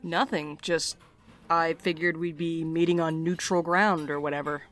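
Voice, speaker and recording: A woman's voice: low-pitched, steady tone, moderate pace, fairly bright tone. A woman playing a weary, sardonic mail carrier in a naturalistic audio drama, with a dry, guarded delivery. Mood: dry, sarcastic.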